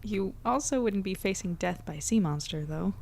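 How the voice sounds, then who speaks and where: A woman playing a guilt-ridden but supportive and determined young hero in audio drama dialogue, speaking softly and earnestly. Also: medium pitch, lively intonation, moderate pace, vocal fry. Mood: guilty.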